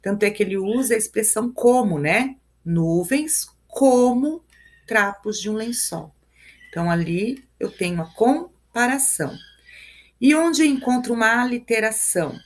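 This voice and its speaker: A woman's voice: fairly high pitch, expressive, normal speed. A woman with a Brazilian Portuguese accent teaching a live review lesson, explaining step by step and counting syllables aloud.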